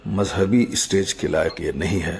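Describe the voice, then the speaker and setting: A middle-aged Muslim cleric makes an explanatory statement in a formal, measured way, halting between short phrases. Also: male voice, sits low, steady tone, crowd noise.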